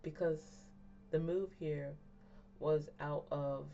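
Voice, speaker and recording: Slow, gravelly-voiced woman in her thirties. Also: low-pitched, fairly even intonation, dark tone, slight background noise. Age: 30s. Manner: slow, rambling, laughs at herself. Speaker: vlogger. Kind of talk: candid personal chat to viewers. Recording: dull lo-fi sound, faint music behind.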